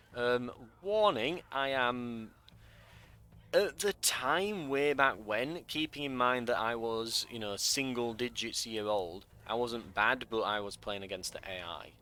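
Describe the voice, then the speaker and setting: In an English accent, a man speaks at a fairly slow pace, with a medium pitch and a bright, sharp tone. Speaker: gaming YouTuber. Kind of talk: let's play commentary. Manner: casual, hesitant with fillers.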